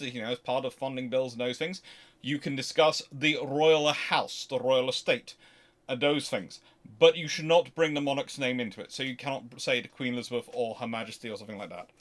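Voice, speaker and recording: A man hosting an unscripted history question-and-answer stream, talking casually in a halting, digressive way and often correcting himself. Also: medium pitch, a bit bright. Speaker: history livestream host.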